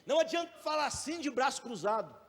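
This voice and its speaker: A male pastor with a Brazilian Portuguese accent delivers a sermon in a strikingly high voice. His loudness and pace rise and fall, with rhetorical questions aimed at the listeners. Long reverb from the church hall trails behind every line. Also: big pitch swings, fast.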